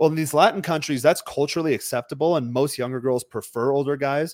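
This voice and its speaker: A man talks at a very fast pace with an American accent. His pitch is fairly high with ordinary variation. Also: very clean recording, silent background. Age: 30s. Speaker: dating and lifestyle coach. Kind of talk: casual chat. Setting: live stream.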